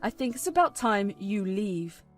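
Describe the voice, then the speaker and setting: A woman's voice: medium pitch, sing-song, unhurried, soft background music, voice pushed down. A woman voicing a young husband who speaks firmly and with exasperation. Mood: angry. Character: young husband, firm and frustrated.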